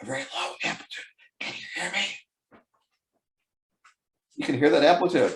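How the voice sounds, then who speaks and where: Putting on a character voice, a man speaks softly and raspily at a moderate pace, with long, frequent pauses. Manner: very soft, quiet.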